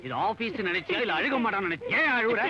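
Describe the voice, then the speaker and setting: A man's voice: sits high, lively intonation, fast talker, sharp tone, husky, full character voice, low-quality recording. An actor playing a blustering male office general manager who scolds and mocks his staff, in a 1980s Tamil film comedy. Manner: scolding, bossy, sarcastic.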